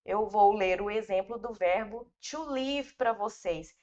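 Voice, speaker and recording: Casting: Brazilian woman teacher, patient and informal with students, unhurried delivery, muffled lo-fi sound. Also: mid-range voice, darkish tone. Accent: Brazilian Portuguese. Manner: addresses students informally, explains patiently with repetition. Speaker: English teacher. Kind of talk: slow, step-by-step grammar lesson. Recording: dull, lo-fi recording.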